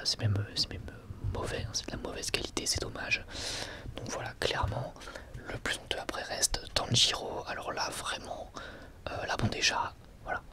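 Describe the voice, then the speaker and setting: A man whispers an ASMR product review in a breathy, unvoiced voice, halting and wryly sarcastic, close to the microphone. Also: on the low side. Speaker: ASMR video host.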